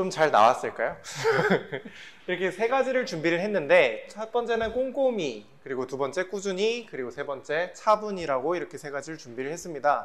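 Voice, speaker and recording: Against noticeable background noise, a man speaks at high pitch with very wide pitch swings. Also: fairly quick pace. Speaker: math tutor at a cram school. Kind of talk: school admissions information session presentation.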